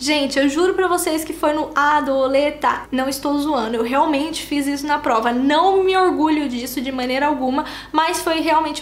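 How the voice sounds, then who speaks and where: A woman speaks at a moderate pace and a high pitch, with hardly any pauses. Audible room echo and noticeable background noise surround her voice. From Brazil, interior of São Paulo state. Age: 20s. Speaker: flight attendant, former au pair. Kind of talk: casual personal story time. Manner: animated.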